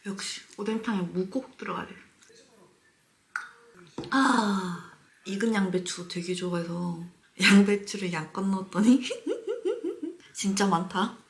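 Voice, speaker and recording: Speaking a little slowly in a steady, medium-pitched voice, a woman hosts a casual eating show for her viewers. She often talks with her mouth full and murmurs little savoring comments between bites. There's a roomy echo along with faint noise and clicking.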